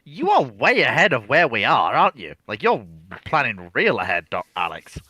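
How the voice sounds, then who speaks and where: A man's voice: medium pitch, wildly swooping pitch, moderate pace, bright, forceful tone, slightly rough, no room sound, rough recording. A man chatting casually as a panelist on a live stream, bantering with the others.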